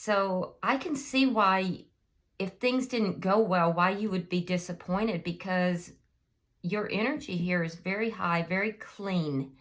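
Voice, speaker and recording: A woman gives a casual tarot reading at a slow, unhurried pace. Her voice is slightly hoarse from a cold, and she thinks aloud with frequent ums and restarts. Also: mid-range voice, fairly bright tone. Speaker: tarot reader.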